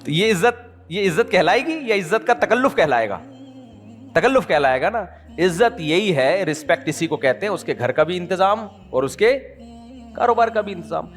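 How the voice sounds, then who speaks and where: A middle-aged man from Pakistan giving a conversational sermon, throwing rhetorical questions at his listeners and acting out small everyday dialogues. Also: high-pitched. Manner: animated, asks the audience rhetorical questions and acts out little dialogues. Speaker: Islamic preacher.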